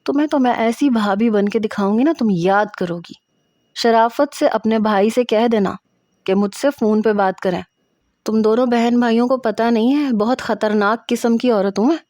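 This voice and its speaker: A woman's voice: a little high, no echo, studio quality, natural voice. A woman doing a feisty, bossy young student. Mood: bossy teasing. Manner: bossy and sharp-tongued.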